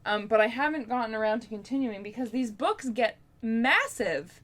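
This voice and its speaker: A woman's voice: on the high side, expressive, normal speed, a bit bright. Chatty young woman, casual and rambling. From Canada. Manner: informal, rambling, playfully self-deprecating. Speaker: book vlogger. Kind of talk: casual chat to camera.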